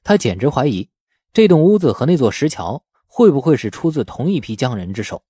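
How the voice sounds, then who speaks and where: A man's voice: medium pitch, very animated, fairly quick, mellow, breathy edge, dry recording, studio quality. A man narrating a novel as a scripted audiobook in a storytelling style.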